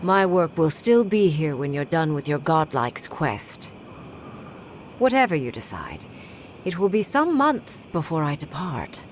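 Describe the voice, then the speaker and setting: An actress playing a haughty, jaded archmage in a video game, speaking in an imperious, dryly disdainful way. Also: female voice, sits low, very animated, measured pace, a little hiss or hum. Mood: haughty, approving. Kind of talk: video game character acting.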